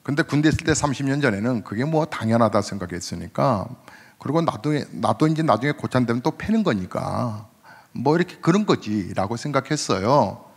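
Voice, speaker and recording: Storytelling Korean pastor in a reverberant hall. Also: male voice, expressive, fairly quick, breathy edge. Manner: conversational, asks the congregation questions, swells in pitch at emotional peaks. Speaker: senior pastor. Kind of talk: sermon with personal storytelling. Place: church sanctuary.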